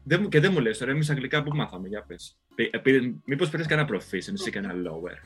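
A man's voice: medium pitch, animated, a bit bright, husky. A man co-hosting a casual podcast, joking around and hesitating with many fillers. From Greece. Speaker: podcast co-host. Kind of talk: casual chat. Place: living in the United States. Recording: faint music underneath.

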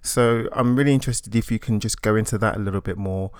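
A man hosting a podcast, reading a scripted introduction and asking interview questions in a measured, polite way. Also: on the low side, clean tone, dry recording, studio quality. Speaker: podcast host.

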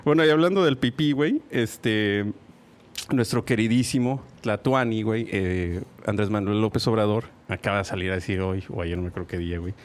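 A man's voice: on the low side, a little fast. A young Mexican man hosting a casual chat, slangy and laughing, with constant filler words between phrases. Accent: Mexican Spanish. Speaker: podcast host.

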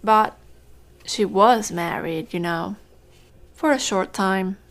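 A woman playing a caring middle-aged farm matriarch in an audio drama, with a creaky voice. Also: medium pitch, slow pace, fairly bright tone. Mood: gentle, sad. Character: caring farm matriarch, mother of a grown daughter. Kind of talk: naturalistic audio drama acting.

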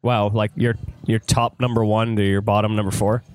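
A man from the United States hosting a casual podcast chat, reacting in a slangy, animated way. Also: fairly low pitch, normal speed. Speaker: podcast host. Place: restaurant.

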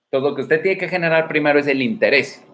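A man's voice: a little high, fast, fairly bright tone. A man with a Mexican accent hosting a livestream, giving dating advice in a blunt, crude, swaggering way, full of slang and rhetorical questions, talking from a room at home. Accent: Mexican Spanish. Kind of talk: casual livestream advice talk. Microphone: streaming from home.

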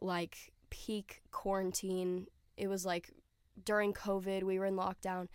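A woman's voice: mid-range voice, smooth, dry recording, clean studio sound. A young woman hosting her own podcast, talking casually and chattily with lots of fillers, sounding a little nasal and stuffy from a cold. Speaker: podcast host. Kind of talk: casual solo podcast chat.

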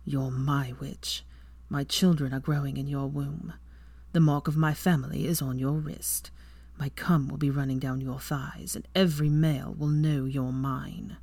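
Woman voicing a hushed, protective young wizard. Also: fairly even intonation, brisk, few pauses, slightly rough, no room sound. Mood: low, possessive. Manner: low, hushed delivery. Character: young adult male wizard, protective and possessive.

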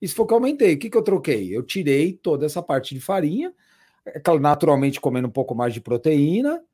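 A man in easy, casual conversation, with a somewhat raised pitch. His voice is husky and mellow. He chats loosely and often repeats words for emphasis. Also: sing-song, fast talker. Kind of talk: casual chat.

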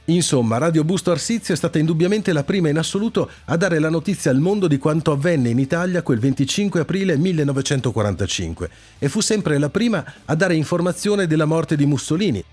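A man presents a radio programme with scripted narration. His voice sits a little higher than most men's, and soft music runs behind him as he reads. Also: animated, a little fast, few pauses, breathy edge. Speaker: radio show host. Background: background music.

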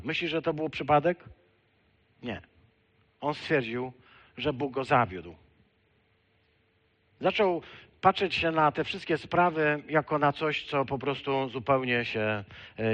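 A man preaching an earnest sermon, speaking straight to the listener, rising to emphatic peaks and then dropping low. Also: unhurried, long pauses, a bit bright. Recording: dull lo-fi sound.

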